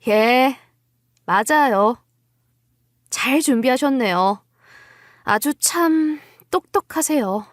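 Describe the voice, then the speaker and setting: A woman playing a wary, quietly cunning young wife, telling her story in scripted first-person narration with composed politeness. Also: high-pitched, lively intonation, slow, long pauses, no room sound, studio quality. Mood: feigned innocence.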